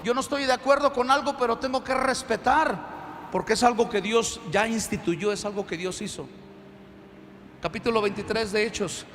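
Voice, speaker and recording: A man preaching a sermon as pastor, emphatic and animated, in a church. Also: very high-pitched, normal speed, big-room sound, slight background noise.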